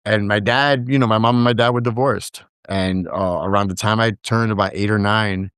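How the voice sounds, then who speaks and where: Podcast guest, male, raised in Brooklyn and Puerto Rico, Spanish native; low-pitched, conversational, rambling, dry close recording. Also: steady tone, moderate pace, fairly bright tone, clean tone, dry recording. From Brooklyn, New York, with years in Puerto Rico. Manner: rambling, frequent fillers and restarts. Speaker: podcast guest, digital media founder. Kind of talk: casual storytelling interview.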